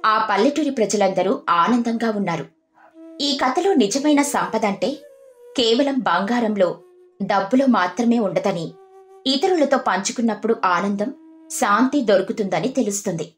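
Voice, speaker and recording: A woman's voice: medium pitch, lively intonation, normal speed. Echoey woman narrating a story. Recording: roomy echo, music underneath.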